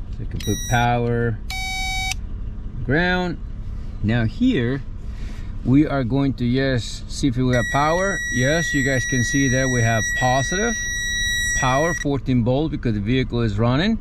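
At a fairly slow pace with long, frequent pauses, the speaker is heard over loud background noise in a dry sound with no echo. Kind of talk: tutorial. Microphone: camera far.

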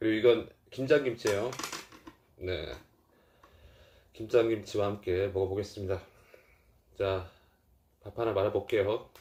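Fairly slow speech with long, frequent pauses, big swings in loudness and ordinary pitch variation, over noticeable background noise. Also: man, fairly low pitch for a man. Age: 50s. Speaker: office worker. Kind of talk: casual talk to camera, mukbang.

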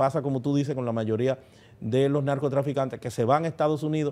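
The man has a dark, mellow tone. He talks at a fairly quick pace with fairly even intonation. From Dominican Republic. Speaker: lawyer and foundation president; lawyer. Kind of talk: TV interview. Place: studio. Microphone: studio mic.

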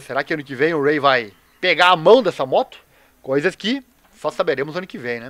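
Shouting in a Brazilian accent, a man with a fairly high pitch is heard in a dry recording with no echo and a quiet background. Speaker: motorsport commentator. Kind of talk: live race commentary, excited play-by-play. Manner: shouting, urgent, short exclamatory bursts.

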